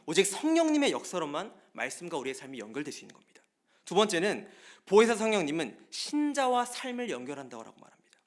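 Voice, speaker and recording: A man preaching a sermon as pastor, telling stories in a lively way and speaking straight to the congregation in a church. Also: high-pitched. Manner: lively storytelling, often addresses the congregation directly. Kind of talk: Wednesday service sermon. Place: church sanctuary.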